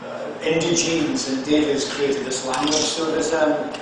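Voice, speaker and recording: A man's voice: on the high side, steady tone, measured pace. Jokey man in an echoey hall. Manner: jokey, rambling, laughs often. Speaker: actor on a panel. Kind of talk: convention panel talk. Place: large convention hall stage. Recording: echoey hall from far off, noisy.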